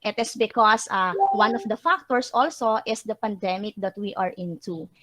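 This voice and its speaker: A woman's voice: medium pitch, normal speed, a bit bright. A woman teacher answering questions in an online class, earnest and explanatory with frequent hesitations.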